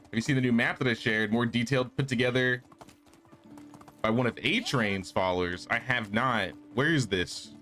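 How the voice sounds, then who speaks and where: A man streams a game and keeps up an easy, chatty patter, reading out his viewers' messages and replying to them. His voice sits at a middling pitch. Quiet game music hums underneath. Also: moderate pace. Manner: chatty, reads chat and answers viewers. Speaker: gaming streamer. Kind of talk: casual live-stream chat while playing.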